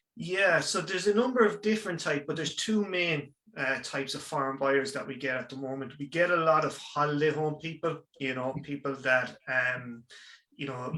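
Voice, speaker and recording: This man has an Irish accent. He talks at a moderate pace. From Ireland, Galway. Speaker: real estate agent. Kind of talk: interview. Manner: halting.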